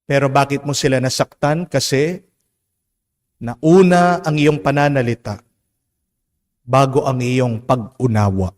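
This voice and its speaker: Man, Filipino accent, priest's homily, emphatic, very slow delivery, long church echo. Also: mid-range voice, darkish tone. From Philippines. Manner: slow, emphatic preaching with drawn-out words and rhetorical questions. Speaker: Catholic priest. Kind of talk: homily mixing Tagalog and English.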